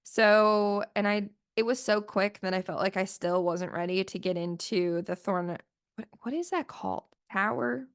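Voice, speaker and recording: Solo podcast host, woman, chatty and rambling, smooth voice, a bit sniffly after the flu. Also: medium pitch, moderate pace. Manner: chatty, rambling, lots of "like" fillers. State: sniffly, voice still recovering from flu. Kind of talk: casual solo podcast chat.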